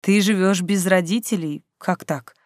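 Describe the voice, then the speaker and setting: A reader voicing a shy, curious young girl who asks eager questions in a slightly higher voice. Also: a little slow, dry recording, studio quality, close to an everyday voice.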